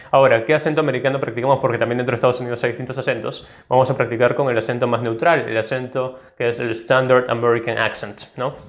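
Man teaching, dull lo-fi sound. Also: mid-range voice. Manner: instructive, ends points with tag questions. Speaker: TOEFL teacher. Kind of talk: explanatory online lesson.

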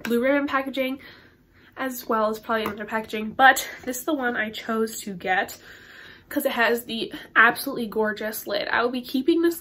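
A woman's voice: on the high side, fairly bright tone, slight background noise. A teenage girl with a stuffed-up nose reviewing a candle haul to camera in her bedroom, chatty and rambling with lots of ums and likes. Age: teens. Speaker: beauty and candle vlogger. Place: bedroom with Christmas tree and curtains, indoors.

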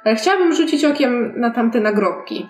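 Higher-voiced woman in an echoey game session. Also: expressive, normal speed, a little hiss or hum. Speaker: tabletop game player. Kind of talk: casual in-game talk. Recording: roomy echo, faint music behind.

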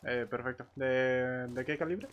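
A man chatting casually and a little haltingly with a teammate during an online roleplay game. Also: mid-range voice, muffled recording, a little hiss or hum. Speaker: roleplay gamer.

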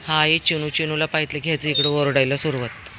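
A woman's voice: sits low, flat delivery, quick pace, background noise. A woman vlogging her dog, chatting away and fondly scolding and coaxing him. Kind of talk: casual pet vlog commentary. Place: outdoors on a walk, later at home.

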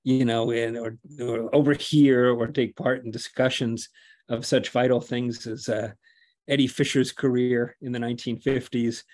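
A man's voice: mid-range voice, little pitch movement, normal speed, a little mellow. An older man interviewing a guest over a video call, chatty, asking long rambling questions and often affirming.

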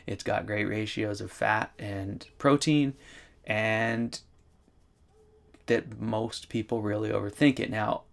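A man's voice: on the low side, fairly even intonation, slow pace, vocal fry. A man in his forties talking casually to the camera from a wooden room, rambling and thinking aloud with many asides. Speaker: vlogger. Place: wooden room by a large window.

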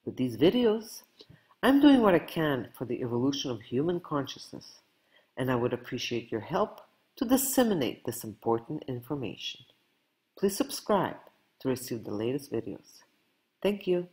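A woman's voice: very deep voice, sing-song, normal speed, darkish tone, poor audio. A woman in her fifties from Canada, reading an earnest personal narration for her video channel. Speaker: vlogger. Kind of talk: read-aloud personal narration.

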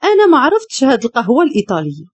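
A woman's voice: high voice, huge pitch swings, rapid-fire, slightly rough, highs cut off, heavily acted. A woman with a Moroccan Arabic accent voicing a timid young homeless woman, meek and nervous.

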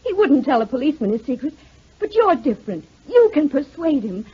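A woman's voice: sits high, sing-song, a little fast. A woman playing a genteel, anxious and insistent wife in a 1940s radio drama. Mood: pleading. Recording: muffled 1940s radio recording.

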